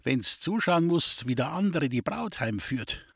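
A man's voice: a little high, lively intonation, unhurried, a bit bright, breathy edge, no echo, clean studio sound, voice pushed up, full character voice. A man voicing a sly, scheming male vagabond trickster in an audiobook, coaxing and insistent in dialect. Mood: wheedling. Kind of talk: audiobook character reading.

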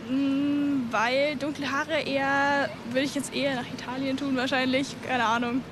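A passer-by answering a street interview, hesitant and unsure of the answers. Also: male voice, extremely high pitch, level tone, unhurried. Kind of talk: street vox pop answers. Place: outdoors in a city centre. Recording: street noise around the voice.

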